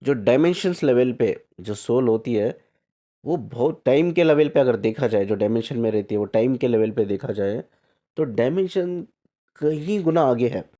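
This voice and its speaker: A man's voice: mid-range voice, expressive, moderate pace, mellow. A male spiritual coach explaining his ideas, asking rhetorical questions and checking in with the listener over and over, with English phrases slipped into Hindi. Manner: repetitive, rhetorical questions, frequent "theek hai" checks. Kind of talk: explanatory talk to camera.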